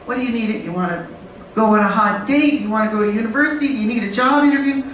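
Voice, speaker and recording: A middle-aged woman giving an animated conference talk on teaching English, emphatic and full of rhetorical questions. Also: a little high, fast, a little hiss or hum. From Canada. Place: conference room. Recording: echoey room, far from mic.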